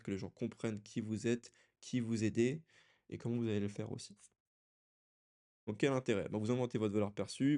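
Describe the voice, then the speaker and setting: A man's voice: on the low side, mellow. A young man coaching freelancers in a loose, conversational talking-head lesson, often restarting his sentences.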